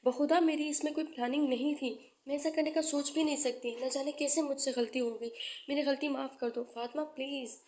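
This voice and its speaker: A woman's voice: high-pitched, steady tone, brisk, a little mellow, slight background noise, pitched above the performer's own voice, close to an everyday voice. A woman voicing a playful, impulsive young woman who pleads through tears for her friend's forgiveness. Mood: tearful pleading.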